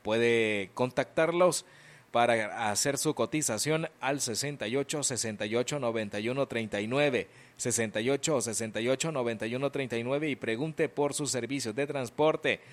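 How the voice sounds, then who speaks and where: A man's voice: mid-range voice, normal speed. A young Salvadoran man hosting an afternoon radio show, chatting, reading listener greetings and ads while fighting a cold and sore throat. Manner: chatty, self-joking, reads listener messages. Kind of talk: casual radio chat and read ads. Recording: radio broadcast with music behind.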